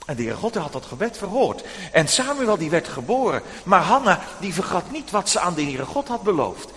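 Male preacher, children's sermon; high, very animated storytelling, reverberant church hall. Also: normal speed, a little hiss or hum. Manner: animated, addressing children directly.

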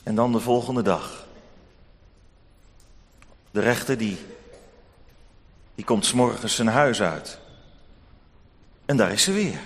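A man telling a Bible story to children in an expressive, animated way. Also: mid-range voice, slow pace, long pauses. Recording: long hall reverb.

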